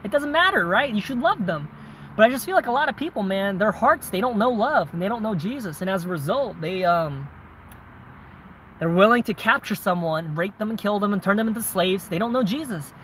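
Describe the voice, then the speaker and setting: Animated and a little fast, this high-pitched, slightly bright voice comes with some hiss or hum. He's a Southern-accented vlogger in casual chat, responding to viewer questions and peppering his points with "right?", "man," and "bro."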